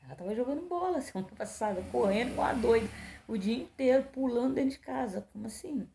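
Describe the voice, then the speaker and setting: A woman's voice: on the high side, lively intonation, fast talker, gravelly, dark tone, a little hiss or hum. A middle-aged woman pastor giving a personal testimony, telling the story with emotion and acting out the dialogue. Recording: roomy echo.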